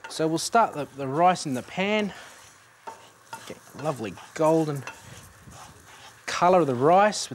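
A man's voice: on the high side, a little hiss or hum. A young man, a chef in a studio kitchen, explaining a dish step by step as he cooks. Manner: explains step by step while cooking. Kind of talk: cooking demonstration. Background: frying and sizzling in a pan.

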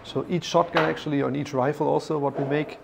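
A man with a German accent walks visitors through a large workshop hall. He explains each step patiently, with lots of fillers and restarts. His voice is slightly high with a gravelly edge, over faint workshop ambience. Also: fairly even intonation, quick pace, background noise. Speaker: factory guide. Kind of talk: guided factory tour explanation.

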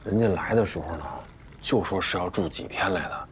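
An actor playing a hospitable husband who talks in a coaxing, reassuring, chatty way. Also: male voice, sits low, a little fast, slight background noise, lightly acted. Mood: placating. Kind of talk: TV drama acting.

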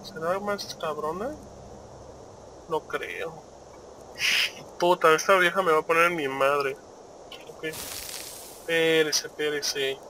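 A man with a Mexican accent giving excited gameplay commentary, cursing constantly and shouting out at what happens in the game. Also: on the high side, slow, pauses often, noisy background. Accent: Mexican Spanish. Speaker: gaming video host.

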